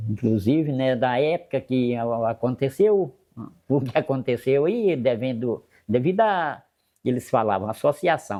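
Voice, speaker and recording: At a fairly slow pace, a man with a medium-pitched voice speaks with lively intonation. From northern Goiás, Brazil. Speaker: longtime local resident. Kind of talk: oral history interview. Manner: halting.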